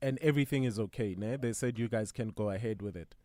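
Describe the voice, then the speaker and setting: A man's voice: lowish voice, quick pace, a little mellow, no echo. A man co-hosting a radio advice show, asking blunt, teasing questions. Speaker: radio co-host.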